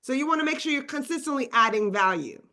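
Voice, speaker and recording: Bright, fast-talking woman trainer. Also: sits high. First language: Swedish. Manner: fast, energetic, chatty, many asides. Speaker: real estate trainer. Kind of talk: live online training session.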